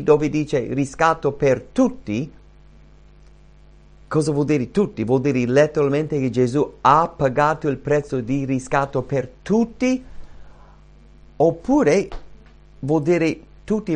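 A man of middle pitch preaching a sermon. He teaches in an earnest, explanatory way and leans into key phrases with sudden emphasis. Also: darkish tone.

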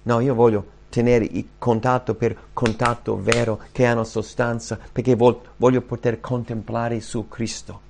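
A man preaching a sermon, earnest, rising and slowing down when he quotes scripture. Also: mid-range voice, flat delivery, vocal fry, darkish tone, a little hiss or hum. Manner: earnest, rises and slows when quoting scripture.

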